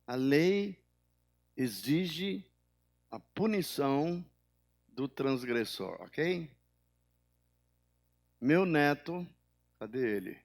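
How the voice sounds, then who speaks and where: Older pastor preaching with sudden rises. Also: male voice, expressive, extremely slow, long pauses. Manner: preaching with sudden rises in pitch and volume, then dropping low; acts out the people in his stories in a higher voice. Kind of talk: sermon.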